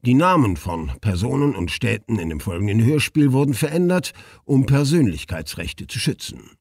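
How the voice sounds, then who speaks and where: A man's voice: medium pitch, very animated, normal speed, gravelly, no echo, clean studio sound. A man reading the opening announcement of a radio play in a formal tone. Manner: formal reading with a mock slip.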